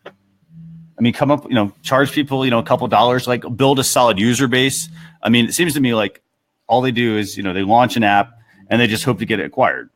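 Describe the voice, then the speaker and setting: A marketing talk show host chats casually in a brisk, mid-range voice, his phrasing loose and hesitant and packed with "you know."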